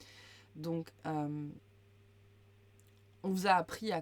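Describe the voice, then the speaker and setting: A woman with a very deep, low pitch speaks at a very slow pace. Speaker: tarot and oracle reader. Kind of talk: spiritual guidance reading. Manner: hesitant, many fillers.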